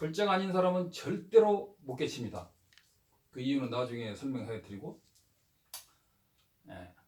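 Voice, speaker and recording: With long, frequent pauses, a man speaks at a moderate pace in a fairly high, somewhat breathy voice, using very wide pitch swings and big swings in loudness. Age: 50s. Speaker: Buddhist monk. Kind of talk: dharma talk. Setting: his room at night.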